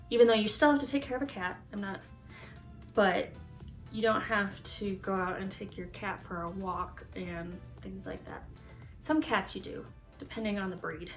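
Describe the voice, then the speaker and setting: A young woman from the United States chatting casually to the camera in her vlog, lively and laughing often. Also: mid-range voice. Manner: chatty, laughs often, animated hand gestures. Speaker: YouTuber. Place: Halloween-decorated room indoors.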